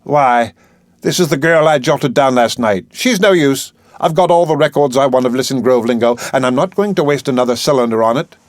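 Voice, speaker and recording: A man's voice: medium pitch, brisk, no echo, studio quality, pitched above the performer's own voice, close to an everyday voice. Higgins, a man doing an impetuous professor. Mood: dismissive. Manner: energetic, brusque, bullying. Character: Higgins, male phonetics professor of forty, impetuous.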